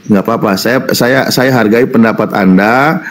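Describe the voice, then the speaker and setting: A man's voice: fairly low pitch, moderate pace. A man who is a Muslim preacher in a heated online interfaith debate, teasing and mocking his opponents and repeating his taunts.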